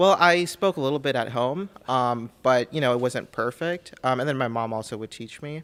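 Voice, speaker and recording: At a moderate pace with hardly any pauses, a man uses a plain, everyday voice at medium pitch with ordinary pitch variation. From California, US, with middle school years in India. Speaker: software intern. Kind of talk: casual interview.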